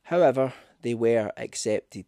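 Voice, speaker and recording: A man reading a scripted ghost story as narrator, with measured, dramatic delivery. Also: mid-range voice, dark tone, no echo, studio quality. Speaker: audiobook narrator.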